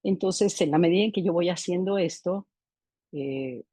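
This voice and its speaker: A woman's voice: lowish voice, normal speed, mellow, dry recording. A middle-aged woman presenting a clinical case in a seminar, reflective and often ending phrases with a questioning "¿no?". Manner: reflective, tags sentences with "¿no?". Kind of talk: seminar lecture, case narration.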